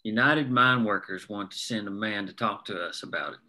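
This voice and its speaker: A man's voice: fairly low pitch, normal speed, bright, forceful tone. A man playing an earnest, plain-spoken coal miner who rallies fellow workers with folksy working-class diction, in a script table read. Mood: firm, rallying.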